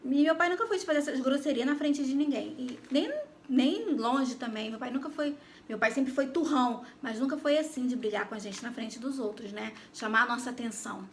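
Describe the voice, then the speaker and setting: Brief: Brazilian woman, high bright voice, animated faith testimony to her viewers, faint noise behind. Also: fairly quick. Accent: Brazilian Portuguese. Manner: animated, addresses listeners directly. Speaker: Christian YouTuber giving testimony. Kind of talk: personal faith testimony storytelling.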